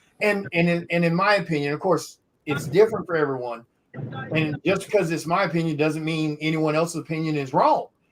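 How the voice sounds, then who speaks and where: Using a plain, everyday voice, a man speaks at a fairly quick pace with a fairly high pitch and fairly even intonation. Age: 40s. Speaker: comic creator. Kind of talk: casual chat.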